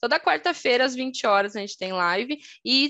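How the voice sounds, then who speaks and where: A woman with a southern Brazilian accent, high-pitched and bright, sharp in tone, with lively intonation at a moderate pace over a quiet background. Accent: gaúcho (southern Brazilian). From southern Brazil, Porto Alegre. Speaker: cloud computing instructor and tech speaker. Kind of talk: conference talk. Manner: animated.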